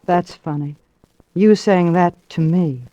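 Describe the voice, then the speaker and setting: An actress playing an anxious, bedridden wife of a music professor in a 1940s radio drama, narrating with quiet fear. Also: female voice, on the low side, takes it slowly. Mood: uneasy. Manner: fearful, confiding narration. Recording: dull old radio broadcast recording.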